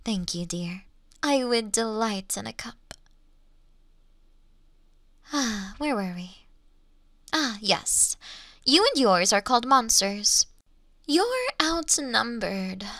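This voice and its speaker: Slow, taunting refined monster lady, acted by a woman. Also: medium pitch, bright, forceful tone, dry recording, clean studio sound, full character voice. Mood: condescending, teasing. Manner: slow, mocking, teasing, formal old-fashioned diction. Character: taunting, refined female monster toying with her hunter. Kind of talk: scripted Victorian fantasy audio roleplay.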